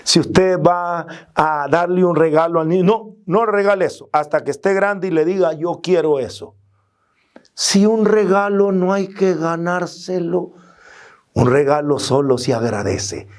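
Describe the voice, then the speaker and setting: A middle-aged man with a Salvadoran Spanish accent preaches a Catholic teaching in an earnest, emphatic way. His voice sits fairly high, and he takes his time. He keeps stopping to quote scripture. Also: a little slow.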